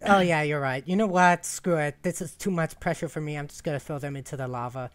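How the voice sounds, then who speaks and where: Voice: mid-range voice, fairly quick. A player talks loosely with teammates mid-game, voice in a middle range. The delivery is teasing and a little theatrical. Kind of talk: casual gaming chat.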